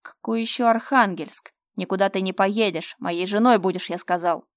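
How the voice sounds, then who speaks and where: A woman voicing a cruel, domineering young man who shouts threats. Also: on the low side, quick pace, no echo, clean studio sound, lightly acted. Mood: furious.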